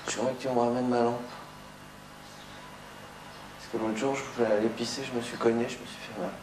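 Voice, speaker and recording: A man plays a weary, withdrawn young man who answers in short flat phrases. The sound is roomy and taken from afar, with background noise. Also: mid-range voice, brisk, close to an everyday voice. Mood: complaining. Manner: flat, curt. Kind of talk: film acting. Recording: roomy film sound, distant mic, noisy.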